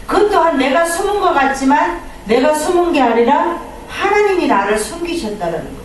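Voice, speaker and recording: A woman pastor preaching a sermon, animated, acting out quoted prayers and complaints. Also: sits high, a little fast, a little hiss or hum. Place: church sanctuary. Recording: echoey hall from far off.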